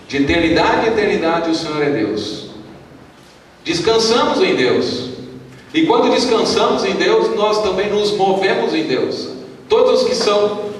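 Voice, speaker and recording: A Brazilian pastor preaching a sermon at a youth retreat, leading the congregation in call-and-response and reading scripture aloud. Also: male voice, high-pitched, a little hiss or hum. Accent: Brazilian Portuguese. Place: large hall at a youth retreat. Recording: echoey hall, voice from far off.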